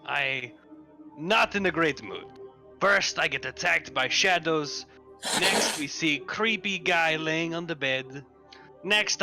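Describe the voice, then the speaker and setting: A man with a fairly high, very bright and sharp voice, gruff and profane as he plays his character in a tabletop roleplaying session. Light music runs underneath. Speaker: player voicing Daniel.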